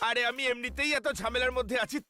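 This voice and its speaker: A man's voice: very high-pitched, steady tone, quick pace, over music. A man voicing a fretful middle-aged poet with a dramatic, whining manner in a children's cartoon. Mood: anxious.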